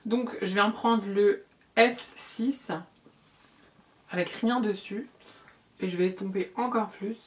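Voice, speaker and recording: A middle-aged woman giving a casual makeup tutorial as a beauty vlogger, chatty, repeating words and filling pauses. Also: medium pitch.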